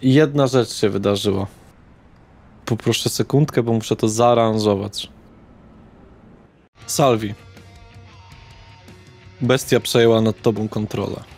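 A man narrating a tabletop horror roleplaying game as game master, in a deliberate manner with dramatic pauses. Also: on the low side, steady tone, a little mellow. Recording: background guitar music.

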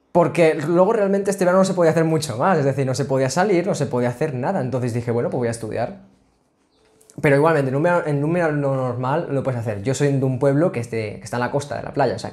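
Chatty young man at his webcam. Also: on the high side. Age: 20s. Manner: chatty, restarts and filler sounds, animated hand gestures. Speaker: student vlogger. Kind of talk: casual explainer vlog. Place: small home office with a desk. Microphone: laptop webcam, framed at a desk.

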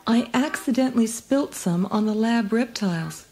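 A woman's voice: a little high, animated, moderate pace, dark tone, a little hiss or hum. A woman voicing an earnest young woman scientist in a read-along story, speaking urgently and insistently.

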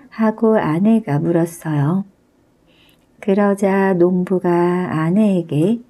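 A woman narrating a folk tale as a gentle, soothing bedtime story. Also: on the low side. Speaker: storyteller, channel host.

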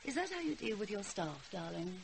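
Animated, sardonic British woman. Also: medium pitch, fairly quick, creaky. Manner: dry, sardonic. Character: sarcastic, tipsy schoolteacher mother, anxious and exasperated. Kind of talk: naturalistic radio drama acting. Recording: noisy, hissy radio recording.

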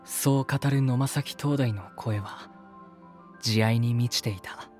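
A man's voice: medium pitch, slow, darkish tone, lightly acted. A man as an earnest, mild young visitor. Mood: admiring, reflective. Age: young adult. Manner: polite, sincere, mild. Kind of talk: voice drama dialogue and reflective narration. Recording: music behind. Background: music.

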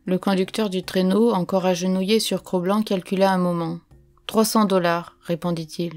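A woman reads a novel aloud in a steady, clear storytelling manner. Her voice sits a little low. Soft music plays faintly under the narration. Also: fairly quick. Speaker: audiobook narrator. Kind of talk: audiobook reading of a novel.

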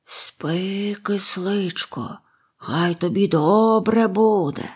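A woman voicing a kind, sorrowful old grandfather who speaks gently and quietly. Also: medium pitch, lively intonation, takes it slowly. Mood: gentle.

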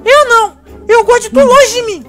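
Cheeky thieving boy mouse, super high squeaky voice, whiny, slangy, music underneath. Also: brisk, bright, forceful tone. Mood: grumbling, confiding. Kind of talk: improvised Minecraft role-play.

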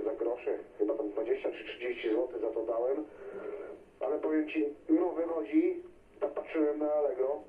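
Male CB operator, thin radio signal, some static, casual colloquial chat, unsure manner. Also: mid-range voice. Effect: CB radio transmission. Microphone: radio microphone heard through a receiver speaker. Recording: tinny band-limited radio signal, echoey, distant, noisy.

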